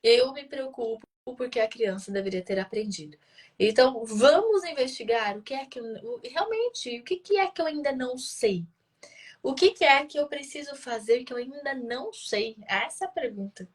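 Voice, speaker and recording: A woman's voice: high voice, lively intonation, normal speed. A woman answers parents' questions in a live session, explaining patiently and posing rhetorical questions she then answers. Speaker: child speech-development educator answering parents' questions.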